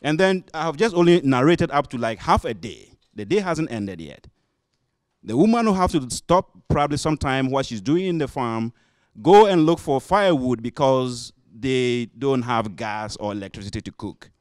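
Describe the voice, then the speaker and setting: Ghanaian man, smooth measured voice. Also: medium pitch, lively intonation, darkish tone, dry recording, studio quality. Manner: measured, illustrative storytelling. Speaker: audience member. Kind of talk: explanatory comment in a panel discussion. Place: conference room.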